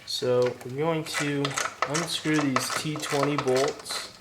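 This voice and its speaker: A man's voice: fairly high pitch, fairly even intonation, slow pace, heavy background noise. A man hosting a casual how-to vlog, explaining things in an informal, plain-spoken way. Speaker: host of a car DIY channel.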